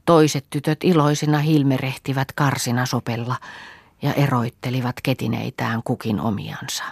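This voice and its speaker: A woman reading a novel aloud as an audiobook narrator, calm and measured. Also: extremely low pitch, vocal fry, husky, no room sound. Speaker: audiobook reader.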